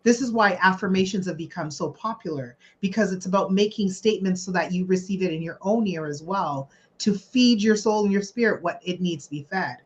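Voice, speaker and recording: A woman's voice: fairly low pitch, fairly quick, few pauses. A middle-aged woman from Canada speaking informally as a guest expert, chatty and explanatory. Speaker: guest mental health expert, social worker. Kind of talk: informal talk to an audience. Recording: dull lo-fi sound.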